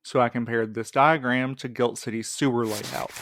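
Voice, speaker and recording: A man's voice: medium pitch, steady tone, normal speed, background noise, natural voice. An actor playing a weary, guarded young man in an audio drama, with a subdued, terse delivery. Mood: earnest, intent. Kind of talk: naturalistic audio drama acting.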